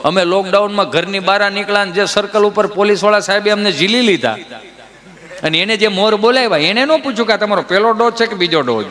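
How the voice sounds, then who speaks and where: High, bright-voiced folk comedian from Gujarat. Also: male voice, fast. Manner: acts out villagers in shifting voices, with laughs. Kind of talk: stand-up folk comedy storytelling.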